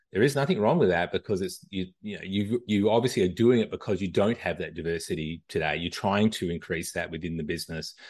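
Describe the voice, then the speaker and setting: Speaking at a very fast pace with hardly any pauses, a man with a strong Australian accent and a fairly low pitch shows ordinary pitch variation against a quiet background. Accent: Australian, still strong. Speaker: company CEO. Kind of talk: interview.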